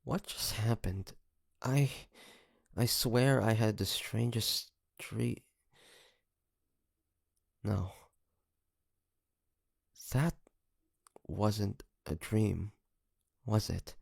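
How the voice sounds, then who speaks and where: A man playing an earnest, emotional young hunter in an audio drama, speaking haltingly with stammers. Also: fairly low pitch, vocal fry, no echo, clean studio sound, full character voice. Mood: emotional, apologetic. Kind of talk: dramatic audio roleplay acting.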